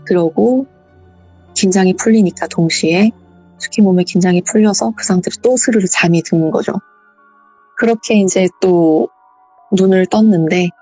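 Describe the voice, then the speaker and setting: Husky woman telling a ghost story. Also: medium pitch, darkish tone, no echo, highs cut off. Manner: conversational storytelling, acting out the quotes. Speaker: horror radio storyteller. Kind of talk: retelling a listener's true ghost story.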